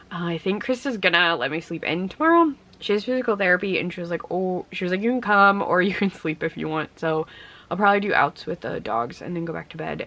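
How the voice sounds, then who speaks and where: A woman's voice: sits low, fairly bright tone. Tired, congested young woman vlogging. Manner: rambling, conversational, frequent ums. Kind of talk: casual vlog chat.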